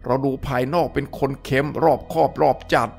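A man's voice: mid-range voice, steady tone, fairly quick, gravelly, darkish tone, soft background music, natural voice. A man voicing a blunt, sardonic sergeant. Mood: needling.

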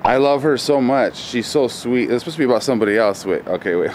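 A man's voice: medium pitch, animated, fast talker, darkish tone, a little hiss or hum. A man behind the camera, teasing and laughing as he reads out viewer comments outdoors. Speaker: channel host, off camera. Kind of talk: casual teasing chat. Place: backyard, outdoors.

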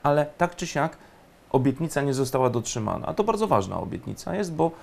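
A man giving indignant, emphatic political commentary, often pausing on fillers. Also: medium pitch, sing-song, vocal fry.

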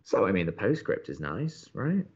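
A man's voice: on the low side, sing-song, moderate pace, slightly rough, muffled recording, heavily acted. A man playing a blunt, wry young college radio co-host in a naturalistic audio drama. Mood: wry, upbeat.

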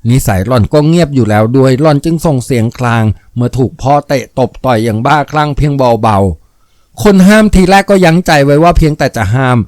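A man narrating a novel aloud in a steady, vivid storytelling manner. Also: medium pitch, a little fast, no echo, studio quality. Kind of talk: dramatic novel reading.

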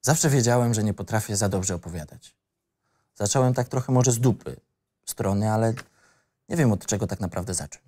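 A male actor plays a young son in a radio play, casual and a little awkward. His voice is mellow and soft-edged, his phrasing hesitant and lightly teasing. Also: on the low side, normal speed, close to an everyday voice. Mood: reflective. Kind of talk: script reading for audio drama.

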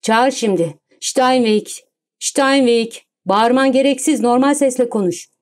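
A woman reading the lines of a suave, commanding gentleman thief in an audiobook, cool and self-assured. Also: medium pitch, normal speed, close to an everyday voice. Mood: calm, commanding.

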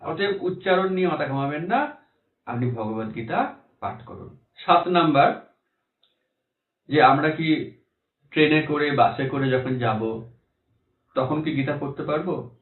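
A man's voice: fairly high pitch, unhurried, long pauses. A man giving a devotional talk, answering questions in an earnest, reassuring way and often asking rhetorical questions. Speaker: preacher. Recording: echoey, tinny phone-like sound.

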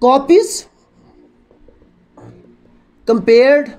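Her voice sits high and is expressive, a little mellow and extremely slow. She's a Pakistani-accented woman teaching a law class, posing questions only to answer them herself and switching between Urdu and English legal terms in a didactic way.

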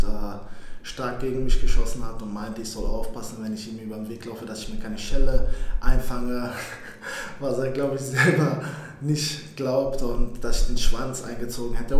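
A hoarse man vlogging casually to his camera, later loudly provoking and taunting a rival at a busy event. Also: mid-range voice, slight background noise. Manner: loud, provoking, repeats taunts. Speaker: fighter and vlogger. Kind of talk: casual vlog to camera, then heated confrontation. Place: hotel room, then crowded event hall. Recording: echoey room, loud crowd.

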